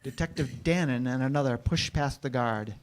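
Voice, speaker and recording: A man's voice: medium pitch, normal speed. A man reading out stage directions as the narrator of a staged comedy reading.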